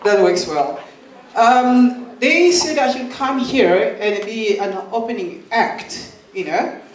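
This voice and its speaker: A young man from Malawi doing a halting, rambling stand-up set, laughing at his own jokes, recorded at a live venue. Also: high voice, lively intonation. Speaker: stand-up comedian. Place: live comedy venue with audience. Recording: echoey room, far from mic, crowd noise.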